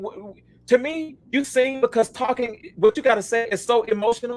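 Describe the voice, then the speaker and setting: The speaker has an American accent and an animated tone. Music plays in the background. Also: man. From US South, Tifton, Georgia. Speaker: host of online vocal masterclass show. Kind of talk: casual chat. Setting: video call. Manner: fast.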